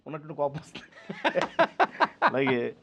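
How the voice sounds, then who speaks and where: A male mimicry artist chatting as an interview guest, telling animated stories and mixing in English phrases. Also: mid-range voice, measured pace, creaky, a little hiss or hum. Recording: slightly dull lo-fi sound.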